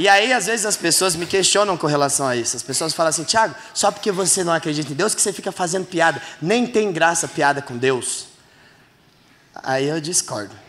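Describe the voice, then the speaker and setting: A man with a Brazilian accent, a high pitch, lively intonation and a fairly quick pace. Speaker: comedian. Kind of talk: stand-up. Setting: stage with audience. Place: stage. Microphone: handheld.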